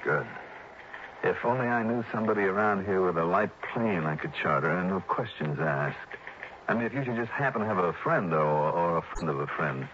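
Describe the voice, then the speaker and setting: An actor playing a tough, wry insurance investigator who talks brisk and insistent. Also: male voice, low voice, animated, fairly bright tone. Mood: determined. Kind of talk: 1960s radio drama acting. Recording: muffled old radio broadcast with hiss.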